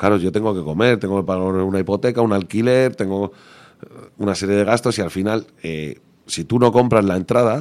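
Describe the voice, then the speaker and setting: A man with an unremarkable speaking voice and a fairly low pitch talks at a fairly quick pace with ordinary pitch variation, on a very clean recording with a silent background. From Spain, Leganés (Madrid). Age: 30s. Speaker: music promoter. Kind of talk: casual interview.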